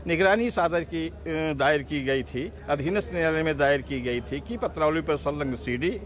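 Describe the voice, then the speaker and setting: A man's voice: a little high, normal speed. A man speaking as a lawyer to reporters, explaining a court ruling step by step in formal terms. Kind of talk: statement to press.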